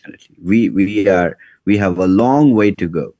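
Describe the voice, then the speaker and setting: A man hosting an online update call, answering questions with brief, relaxed replies. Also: sits low, brisk, no room sound. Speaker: host.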